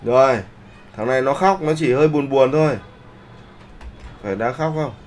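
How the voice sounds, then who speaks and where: With a little hiss or hum on the audio, a man in the mid-range at a moderate pace leads a live online art class. Polite particles pepper his speech as he repeatedly checks that the class follows along.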